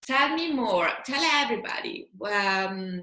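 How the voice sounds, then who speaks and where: Speaking with a non-native accent, a woman uses lively intonation and a fairly high pitch at a very slow pace. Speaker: podcast host. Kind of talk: interview.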